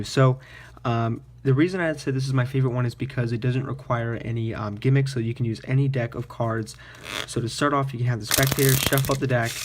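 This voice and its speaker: A man presenting a card trick tutorial in casual magician patter, explaining informally step by step. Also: mid-range voice.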